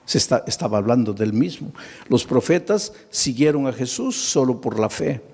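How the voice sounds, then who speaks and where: Animated and speaking at normal speed, a man with a mid-range, darkish voice preaches a sermon. He tells a Bible story theatrically, acting out the dialogue, and addresses rhetorical questions to his audience.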